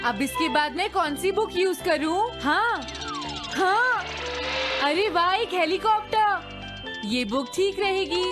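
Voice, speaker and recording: Casting: young schoolboy for cartoon dub, very high voice, naive and hapless, music behind. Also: female voice, lively intonation, slow pace, heavily acted. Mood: pleased, musing.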